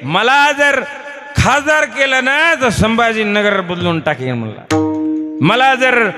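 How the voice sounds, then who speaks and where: A man voicing a boastful, rude drunk village man with brash, drawn-out bragging, in an echoey hall with live instruments behind. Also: very high voice, animated, over loud music, full character voice.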